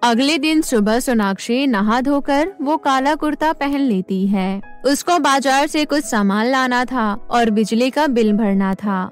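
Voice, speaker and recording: A woman storyteller with a high voice. She reads scripted children's story narration while soft music plays behind her. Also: unhurried, few pauses.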